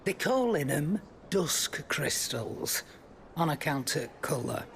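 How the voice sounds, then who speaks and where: Casting: seasoned female black-market trader, British, wry, very animated delivery at a leisurely pace, game cutscene. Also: deep voice, slow, a little hiss or hum, exaggerated voice. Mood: wry, confiding. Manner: wry, colloquial storytelling. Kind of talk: video game cutscene acting.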